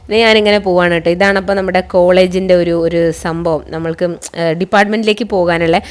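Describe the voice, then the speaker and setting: Fast-talking Kerala woman mixing Malayalam and English. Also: fairly low pitch, steady tone. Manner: Malayalam mixed with English words; chatty, addresses viewers with frequent tag words. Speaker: college teacher and vlogger. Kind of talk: casual vlog narration.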